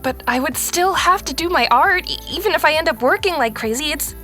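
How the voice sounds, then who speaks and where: An earnest, bewildered teenage girl in an audio drama. She speaks in a high voice over music. Her delivery is halting and sincere, as if unsure of her footing. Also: expressive, sharp tone. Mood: troubled. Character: bewildered, earnest sixteen-year-old artistic girl. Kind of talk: audio fiction drama acting.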